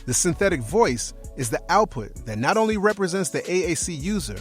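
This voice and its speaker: A man hosts and narrates a podcast and asks his guest questions in a calm, thoughtful way. His voice sits fairly high for a man, and faint music plays underneath. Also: fairly quick. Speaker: podcast host.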